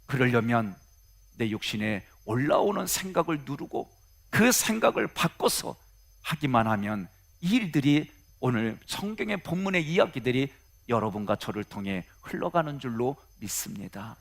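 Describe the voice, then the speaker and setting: A man's voice: mid-range voice, sing-song, moderate pace, gravelly. A middle-aged man preaches to his congregation in a plain, conversational way. His mid-range voice turns earnest and rises to emphatic peaks as he presses his points. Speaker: pastor. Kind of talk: sermon.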